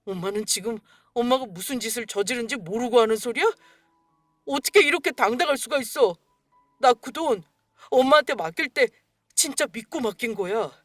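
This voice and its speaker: A woman's voice: a little high, lively intonation, moderate pace, no room sound, faint music behind. A woman voicing an angry young man who accuses his mother in a dramatized story. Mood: furious. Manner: furious, accusing. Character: angry grown son, young man, betrayed.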